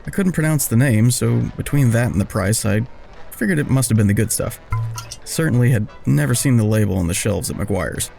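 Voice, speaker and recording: An actor playing a wry, awkward man who narrates his own story in an audio drama with self-deprecating, deadpan, wordy humor. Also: mid-range voice, a little fast, gravelly, faint music behind. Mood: wry narrating. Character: wry, awkward smoker man narrating a reunion with old friend. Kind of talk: first-person scripted narration and dialogue in audio drama.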